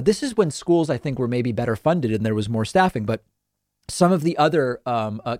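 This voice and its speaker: A political talk show host from southern western New England, with the accent to match, gives a casual monologue that is chatty and digressive, restarting often. His mid-range voice is a little mellow, and the studio-quality recording has no room sound.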